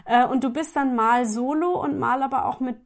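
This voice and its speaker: Woman hosting a culture podcast, chatty and informal, voice a bit on the high side. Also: normal speed, creaky. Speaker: podcast host. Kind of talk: casual conversational interviewing.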